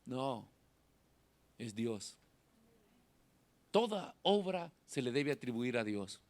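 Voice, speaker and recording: Preaching a sermon in a church hall, a middle-aged male pastor swings from shouting to quiet asides. His voice is thin, nasal, and mid-range, sing-song and slow-paced.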